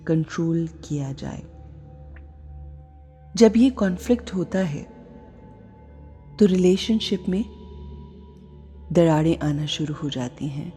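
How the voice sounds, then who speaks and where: Woman meditation guide: deep, unhurried, soothing, over quiet music. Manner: slow, soft and soothing, sometimes dropping to a whisper.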